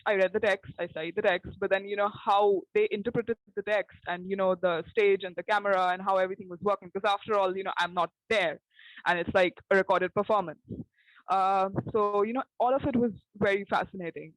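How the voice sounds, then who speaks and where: A woman's voice: medium pitch, steady tone, a little fast, no echo, low-quality recording. A young woman playwright speaking in a roundtable discussion, piecing her thoughts together hesitantly with repetition.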